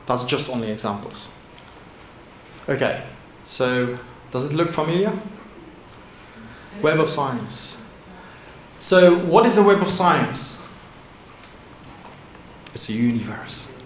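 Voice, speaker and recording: A man giving a slide talk at a conference from a podium, in halting with frequent fillers and restarts. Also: mid-range voice, expressive, slight background noise. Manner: halting non-native English with many fillers and restarts. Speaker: conference presenter. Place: large indoor conference hall. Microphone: lectern microphone at a podium. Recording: echoey hall with faint ambience.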